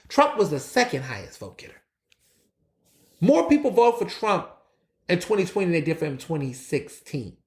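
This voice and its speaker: Young male podcast host, fairly high voice, blunt and sassy, stumbles and restarts a lot, worn out from a late night. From United States. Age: 20s. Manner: animated, sassy and blunt, with frequent restarts and stammers. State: tired from a long late night. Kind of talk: solo opinion podcast monologue.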